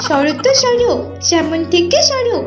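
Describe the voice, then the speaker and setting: A very high-pitched, bratty fox cub girl for a cartoon. She is haughty, whiny and scornful, heard in an echoey space with some music behind. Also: expressive, moderate pace. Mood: defiant. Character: cheeky, arrogant young girl fox cub. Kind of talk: cartoon voice acting. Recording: roomy echo with music.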